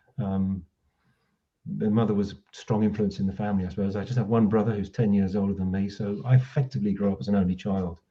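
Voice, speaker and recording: A dark, mellow tone with fairly even intonation at a very fast pace. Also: man, fairly low pitch for a man. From southern England (Hastings, Sussex). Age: 60s. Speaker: spiritual order member. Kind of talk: casual interview chat.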